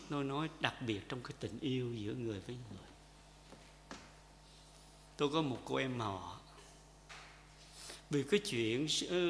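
A man preaching a sermon to his congregation. He repeats phrases and asks them questions, and swings between loud impassioned calls and quiet intimate asides. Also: mid-range voice, a little hiss or hum. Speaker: pastor. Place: church sanctuary. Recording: echoey hall with long reverb.

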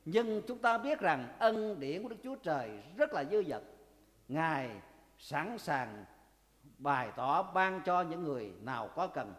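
A male pastor delivers an emphatic sermon, stretching words and pausing for effect as he speaks to the congregation. His voice is high for a man. A long reverb rings through the church hall around him. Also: sing-song, fairly bright tone. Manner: emphatic, with drawn-out pauses and repeated address to the congregation.

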